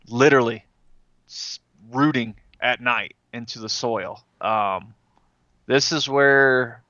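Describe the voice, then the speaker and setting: A man's voice: mid-range voice, pushed and bright, clear, resonant tone, dry recording. A man casually describing his character's actions as a player in a tabletop game, thinking aloud as he goes. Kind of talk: casual roleplay narration. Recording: slightly dull, dry close recording.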